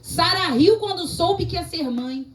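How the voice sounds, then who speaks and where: A woman's voice: extremely high pitch, animated, a little slow, a bit bright. A Brazilian woman pastor preaching a sermon, telling stories and acting out dialogue as she exhorts the congregation. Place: church hall. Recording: echoey church hall, mic at a distance.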